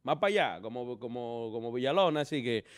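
A man giving loud, joking opinions as a panelist on a casual entertainment show. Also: medium pitch, expressive, a little fast.

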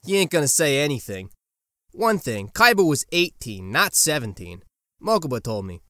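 A man's voice: on the high side, very animated, moderate pace, fairly bright tone, no room sound. A man playing a streetwise, sardonic teenage boy in a colloquial audio drama style. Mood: dry, defensive. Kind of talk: casual, colloquial fan audio drama acting.

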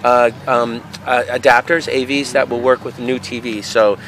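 A man's voice: mid-range voice, flat delivery, normal speed. Rambling man sorting games at an outdoor flea market. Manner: rambling, thinking aloud, many fillers. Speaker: video game reseller. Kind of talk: casual handheld vlog narration. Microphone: handheld camera. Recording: noisy outdoor camera audio.

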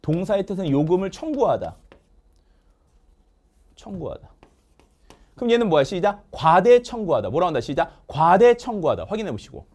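A man teaching English vocabulary in a lively lecture, drilling words call-and-response and joking with his producer. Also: high-pitched, normal speed, long pauses. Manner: call-and-response drilling, asks "됐습니까?" often; jokes with the producer off camera.

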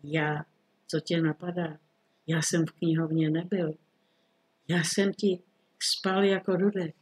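A woman's voice: low-pitched, little pitch movement, a little mellow, reverberant, natural voice. A woman reading the part of a flustered middle-aged male government minister, muttering and bewildered. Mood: dismissive.

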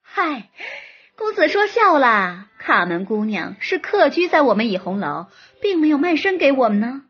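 A woman voicing a smooth, worldly brothel madam who placates guests in a slow, soothing way. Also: high-pitched, very animated, highs cut off, exaggerated voice. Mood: placating.

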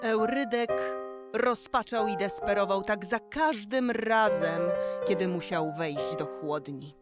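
A woman's voice: medium pitch, slow pace, lightly acted. A woman narrating an improvised children's radio play as its storyteller. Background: piano music.

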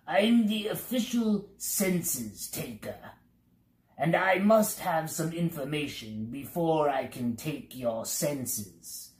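A storybook reader voicing a little round, fussy male census taker who briskly rattles off long lists of questions in an officious tone. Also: medium pitch, lively intonation, darkish tone, roomy sound, voice pushed up.

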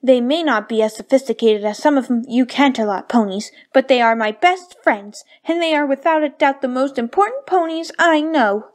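A woman's voice: high-pitched, normal speed, hardly any pauses, natural voice. A woman voicing a vain, ladylike cartoon unicorn pony who loves fashion, with refined, theatrical diction. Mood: dignified, sincere. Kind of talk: fan voice reel of cartoon lines.

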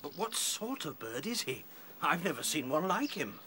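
High-voiced curious British rabbit. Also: male voice, very animated, moderate pace, sharp tone, a little hiss or hum. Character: curious, questioning, clever male rabbit. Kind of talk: radio drama acting.

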